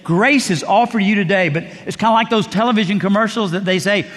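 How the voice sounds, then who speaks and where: An older male pastor preaching a sermon in a conversational, joking way, dropping to a soft voice on key words. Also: high voice, fast. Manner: conversational, jokey preaching with sudden soft drops. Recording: long reverb of a large hall.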